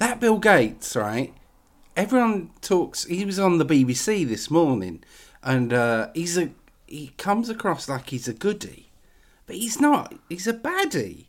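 A man speaks at a fairly slow pace in a high voice with very wide pitch swings, on a very clean recording with a silent background. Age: 40s. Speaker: podcast host. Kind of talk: casual chat.

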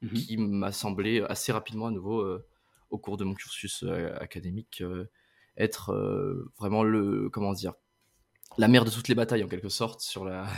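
With long, frequent pauses, a man speaks at a moderate pace in a fairly low, monotone, flat voice. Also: very clean recording, silent background. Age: 20s. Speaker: nuclear energy engineer. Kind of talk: interview. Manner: halting, many hesitations.

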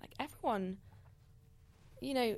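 At a moderate pace, a woman talks with lively intonation and vocal fry. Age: 20s. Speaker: fitness content creator. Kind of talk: casual chat. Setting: studio.

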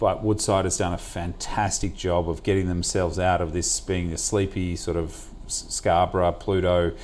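With an Australian accent, a man speaks at a moderate pace in a very deep, low pitch and a flat monotone. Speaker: stockbroker. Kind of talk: market commentary discussion.

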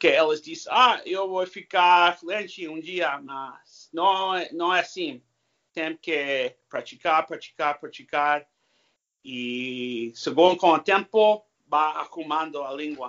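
A man with a fairly high pitch and an American accent speaks at a very slow pace, with ordinary pitch variation and big swings in loudness. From California. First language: English (speaking Portuguese). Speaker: high school Spanish teacher, language learner. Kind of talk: language lesson conversation. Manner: halting, many fillers.

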